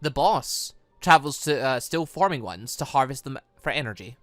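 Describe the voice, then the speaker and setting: Man voicing a calm, teasing warrior mother. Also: mid-range voice, normal speed, no room sound, faint music behind, close to an everyday voice. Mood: solemn storytelling. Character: calm, teasing, all-knowing mother warrior telling lore.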